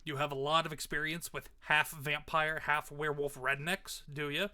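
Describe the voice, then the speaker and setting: A man's voice: on the high side, fairly even intonation, normal speed, pushed and bright. A man voicing a stern, scornful dead father who mentors a superhero, curt and commanding, reading from a comic book. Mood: sarcastic. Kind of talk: comic book read-aloud.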